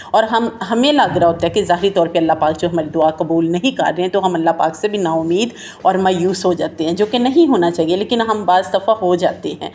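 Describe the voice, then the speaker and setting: Addressing her listeners as sisters and friends, this woman hosts a motivational talk that feels casual and heartfelt. She has a lowish, darkish voice, drifts along conversationally, and keeps returning to the filler "jo hai na".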